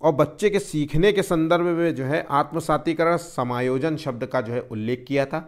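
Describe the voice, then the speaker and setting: Man, fairly high voice, exam-prep teacher, question-and-answer explaining. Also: moderate pace. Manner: explains step by step, asks and answers own questions.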